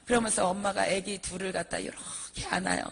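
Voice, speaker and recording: A male preacher telling a dramatic, emotional story in a sermon, with a gravelly, husky voice. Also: high-pitched, steady tone, fairly quick, fairly bright tone, in a large hall. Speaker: preacher giving a testimony.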